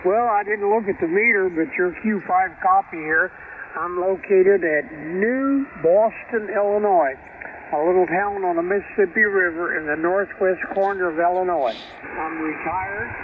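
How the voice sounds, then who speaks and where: A man's voice: high voice, normal speed, narrow, tinny audio. A man in his eighties chatting as an amateur radio operator, heard over a radio link. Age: 80s. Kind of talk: casual radio contact chat. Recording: thin, noisy ham radio link.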